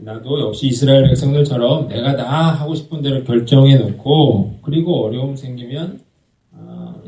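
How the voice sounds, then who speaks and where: A male pastor with a mellow voice and a slight gravelly edge gives a sermon. He asks the congregation questions and answers them himself. He was recorded from a distance, with a church hall echoing around him. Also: mid-range voice. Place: church sanctuary.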